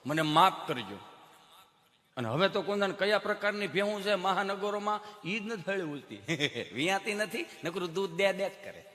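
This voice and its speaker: A man's voice: high-pitched, big-room sound. A man telling comic stories on stage and acting out the people in them. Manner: animated, acts out mothers, children and doctors. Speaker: stand-up comedian. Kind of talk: Gujarati folk comedy storytelling.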